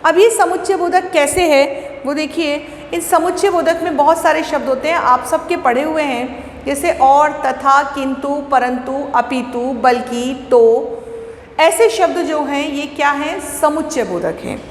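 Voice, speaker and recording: In an unhurried manner, a school Hindi teacher with a fairly high voice explains each point patiently to children and answers her own questions. It sounds like a classroom, and the roomy recording has a long reverb tail with faint ambient noise.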